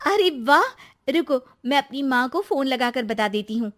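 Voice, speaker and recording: A woman voicing a chatty, excitable young daughter-in-law in a storybook cartoon. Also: high-pitched, moderate pace, natural voice. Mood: excited. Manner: excitable, boastful.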